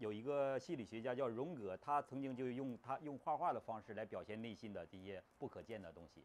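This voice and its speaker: A man at a medium pitch, with lively intonation and a fairly quick pace. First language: Mandarin. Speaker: artist and art professor; art professor. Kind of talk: lecture. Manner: fast. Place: hall. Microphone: handheld.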